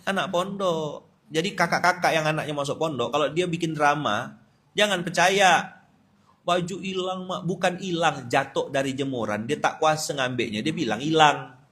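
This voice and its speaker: A man's voice: on the high side, moderate pace, a bit bright. A man preaching to a gathering, telling a funny story and acting out the voices in it. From Pontianak, Indonesia. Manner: humorous, acts out quoted voices, laughs often. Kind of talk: storytelling sermon.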